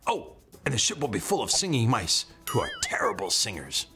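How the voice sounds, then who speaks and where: Storybook king, played by a woman: pompous, greedy, grandly threatening, pitch leaping all over, music underneath. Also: wildly swooping pitch, full character voice. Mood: greedy, menacing. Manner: grandiose, drawn-out commands. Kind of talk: children's storytelling. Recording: music behind the voice.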